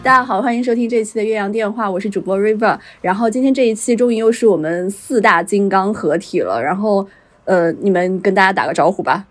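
A woman's voice: mid-range voice, quick pace. A woman hosting a casual podcast chat, steering the talk and putting questions to her co-hosts. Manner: guides the talk, asks the others questions. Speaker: podcast host.

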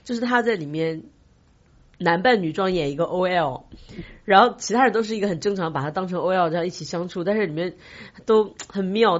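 A woman co-hosting a podcast, chatting casually and recommending things to her friends in an animated, teasing manner. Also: on the low side, dull audio. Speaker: podcast co-host. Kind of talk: casual chat.

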